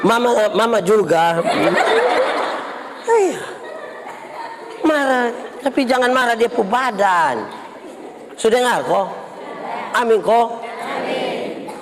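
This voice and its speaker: Pastor guy, high voice, joking around with the church crowd, echoey hall with people noise. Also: animated, slow, pauses often. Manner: bantering, quizzes the congregation, acts out quarrels. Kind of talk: lively sermon to a congregation. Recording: reverberant hall, noisy congregation.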